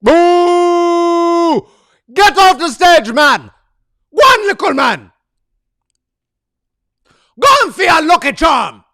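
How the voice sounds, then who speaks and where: A man imitating a rowdy concert crowd, shouting mocking jeers. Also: extremely high pitch, expressive, drawn-out words, pauses often, no room sound, studio quality, voice pushed up, full character voice. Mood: jeering.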